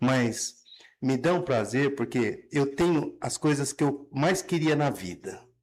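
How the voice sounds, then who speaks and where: The recording is very clean and the background silent. A man is the one talking. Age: 60s. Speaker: podcast host, retired health worker. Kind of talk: casual chat. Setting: outdoors on the street. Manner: halting.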